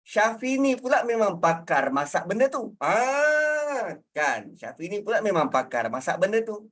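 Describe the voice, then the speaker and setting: A man's voice: high voice, very animated, measured pace, fairly bright tone. A man with a Malaysian Malay accent giving a conversational religious lecture. He explains word meanings through everyday examples. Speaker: religious teacher.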